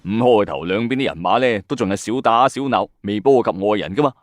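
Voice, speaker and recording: Here a Hong Kong Cantonese-accented man with a lowish, fairly quick voice runs a ghost story audio channel. He recounts a dramatic late-night ghost story full of suspense, speaking colloquially and adding exclamations. The recording is dry, with background music.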